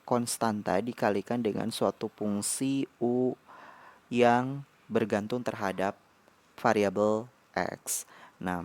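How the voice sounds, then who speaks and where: Male tutor, lowish voice, unhurried measured lesson delivery. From Indonesia. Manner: measured, pauses between short phrases. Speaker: math tutor. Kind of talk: slow explanatory lecture.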